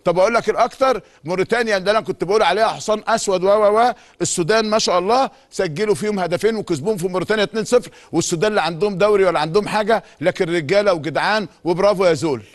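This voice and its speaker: A middle-aged man with an Egyptian Arabic accent, a sports talk show host delivering an emphatic monologue full of repeated insistent phrases. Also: sits high. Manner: rapid, emphatic, repetitive insistence. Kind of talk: monologue commentary.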